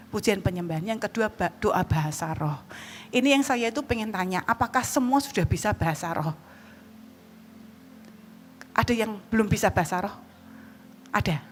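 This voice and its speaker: A woman evangelist with a Javanese accent preaching a sermon in a church hall, lively and joking, often calling out to the congregation. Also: mid-range voice. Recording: reverberant church hall, faint background noise.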